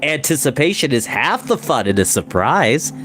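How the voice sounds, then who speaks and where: A man's voice: medium pitch, big pitch swings, normal speed, a bit bright, slight background noise. A man voicing a genteel tinker in a storybook, courtly, reassuring and teasing in manner. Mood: playful, teasing.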